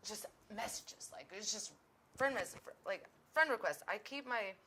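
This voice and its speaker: A woman's voice: medium pitch, expressive, moderate pace, bright, forceful tone. Chatty woman guest, faint background hiss. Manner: chatty, quotes people in dramatized voices. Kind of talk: casual conversation.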